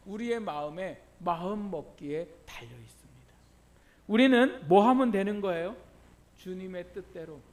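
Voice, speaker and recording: A middle-aged pastor preaching a sermon. He asks the congregation questions, answers them himself and laughs through personal stories. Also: high voice.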